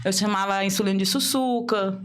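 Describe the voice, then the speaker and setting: A woman's voice: medium pitch, fairly even intonation, fairly quick. A woman in her thirties from Brazil, a podcast guest telling a personal story with animation, acting out dialogue and laughing as she goes. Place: podcast studio.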